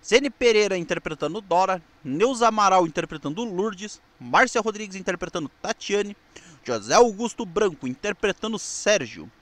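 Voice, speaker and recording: A Brazilian man presenting TV history, narrating from notes with casual asides in a halting way, rephrasing as he goes. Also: sits high, expressive, fairly bright tone, no echo.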